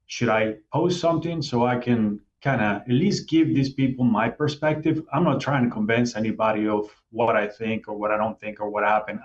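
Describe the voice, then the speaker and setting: A middle-aged man from Venezuela, earnestly telling his life story as a guest in an interview. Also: medium pitch. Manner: earnest, explanatory, reflective. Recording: slightly dull lo-fi sound.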